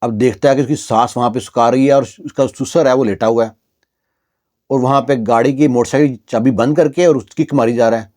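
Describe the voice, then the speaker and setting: A man's voice: mid-range voice, fairly even intonation, warm tone. A man narrating a village story in a conversational way, with repeated fillers and restarts.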